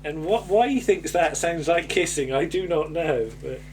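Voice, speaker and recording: A British man with a slightly high voice chats casually as a podcast co-host. He rambles and hesitates in an amused way, sitting a little back from the mic with faint hum behind him. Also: expressive, normal speed, far from the mic. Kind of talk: casual chat recapping a TV comedy episode.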